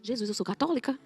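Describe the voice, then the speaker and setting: A young woman telling her conversion testimony in an emotional, animated way, acting out her own quoted words as she talks. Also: high-pitched, breathy edge. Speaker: guest giving a conversion testimony.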